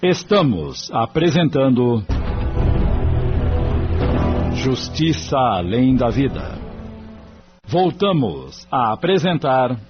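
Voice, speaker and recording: A man's voice: mid-range voice, very animated, slow. Solemn male narrator over music. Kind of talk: scripted audiobook narration. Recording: dull lo-fi radio recording.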